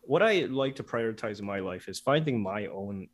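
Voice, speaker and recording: Low-voiced man chatting easily as a guest. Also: moderate pace. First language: Korean. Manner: relaxed, chatty, frequent "like" and "you know" fillers, laughs easily. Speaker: guest author. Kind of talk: casual interview conversation.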